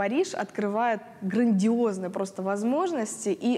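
A woman is speaking. Her tone is dark and mellow. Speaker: host of esoteric channel. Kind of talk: casual storytelling to camera. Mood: warm, smiling, enthusiastic. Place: studio. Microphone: lapel.

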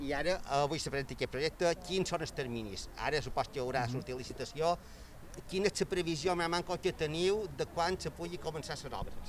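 Talking at a very fast pace, a man with a fairly high pitch comes through over light background noise. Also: ordinary pitch variation. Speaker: local TV interviewer. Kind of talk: news interview. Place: street.

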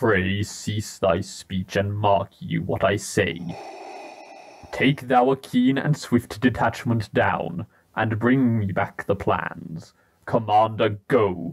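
A man speaks very slowly at a fairly low pitch. His pitch varies in an ordinary way. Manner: cold, commanding.

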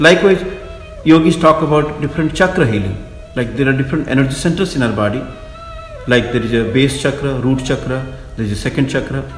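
Over faint background music and audible room echo, a man speaks at a very fast pace with ordinary pitch variation. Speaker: yoga or wellness teacher. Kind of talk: teaching talk with a story. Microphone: phone near.

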